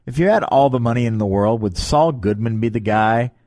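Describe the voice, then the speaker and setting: A man hosting a podcast in casual, joking banter, talking in a meandering, halting way on a close mic. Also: mid-range voice, darkish tone, no echo. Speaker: podcast host.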